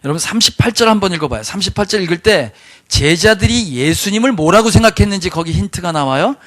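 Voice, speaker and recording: Male pastor with a slightly raised pitch, lively sermon delivery that keeps quizzing the congregation. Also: fast. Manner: animated, rhetorical questions to the congregation. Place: church sanctuary.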